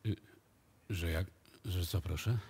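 An actor playing a bumbling junior policeman, halting as he reports, in a live radio play. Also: sits low, a little mellow, husky, full character voice. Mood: amazed. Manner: halting, stumbling.

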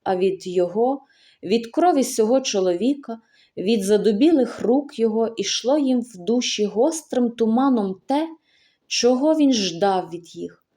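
A woman narrating a story audiobook in a measured, expressive reading. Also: fairly high pitch.

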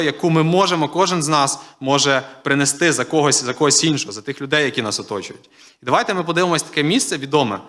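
A man's voice: fairly high pitch, a bit bright. A man preaching a sermon in a conversational way, reading scripture passages aloud and often checking in with his listeners. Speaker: pastor.

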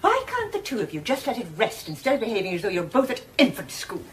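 On noisy old TV broadcast audio, a middle-aged actress plays a long-suffering sitcom wife who scolds her husband with exasperated sarcasm. Her voice is a little high and fast, with huge swings in pitch.

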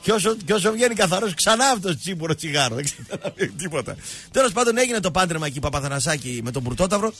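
A man with a slightly raised, husky voice hosts a radio sports comedy show. He rambles through mocking, jokey stories with faint music underneath. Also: a little high, very animated, fairly bright tone. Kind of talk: comic sports radio banter.

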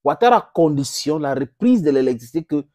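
A man's voice: very animated, a little fast, dark tone, no room sound. Middle-aged guy ranting to camera, english his first language, voice leaps up when he stresses stuff, dry lapel-mic sound. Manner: impassioned, gesturing, addresses viewers as friends, pitch jumps for emphasis. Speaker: political commentator. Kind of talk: direct-to-camera political commentary. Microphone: clip-on lapel mic.

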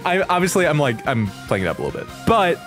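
A young man with a fairly high, very animated voice reacts casually as a host. He is slangy, profane and playful, gushing freely. Game trailer music plays faintly behind him. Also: quick pace. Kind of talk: casual, crude reaction commentary.

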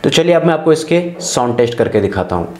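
A man's voice: medium pitch, big pitch swings, quick pace, darkish tone. A man with an Indian accent presenting a scripted phone tutorial. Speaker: tech video presenter. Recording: roomy echoing voice-over.

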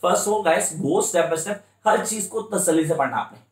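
A man tutoring students for an exam, switching between Hindi and English with an Indian accent and repeating his points step by step. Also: high-pitched. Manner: repetitive, coaching, slows right down for English phrases. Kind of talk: exam-prep lecture in mixed Hindi and English. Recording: echoey room.

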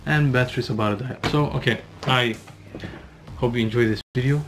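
A young man in his twenties recording a self-study language vlog in a small room, halting and correcting himself as he drills phrases. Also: medium pitch, background noise. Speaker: language learner vlogger. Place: small room with curtain backdrop.

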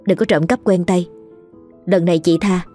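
A kind young mistress , voiced by a woman speaks with gentle firmness in a slightly raised voice. Soft music runs quietly beneath her. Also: lowish voice, fairly even intonation, normal speed, lightly acted. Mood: gentle firm. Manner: scolding then gentle.

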